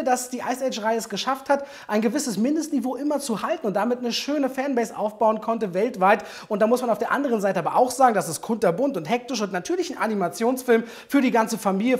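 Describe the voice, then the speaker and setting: A woman's voice: on the high side, fast, few pauses, a little mellow. A young adult woman hosting a chatty video commentary as a film trailer reviewer.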